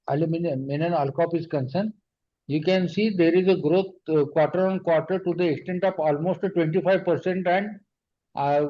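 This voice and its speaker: A man with an Indian accent, a company executive giving formal, wordy answers on an earnings call. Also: high voice. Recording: dull conference call audio.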